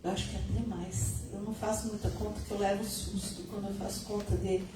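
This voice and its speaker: A middle-aged woman giving a conversational spiritist lecture, her voice still a little hoarse. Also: medium pitch, little pitch movement, brisk, distant mic. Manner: conversational, adds tag questions. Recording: echoey room, recorded from afar, noisy.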